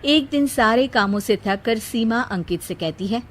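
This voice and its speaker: A woman's voice: fairly high pitch, lively intonation, moderate pace, slight background noise. Woman narrating a moral story.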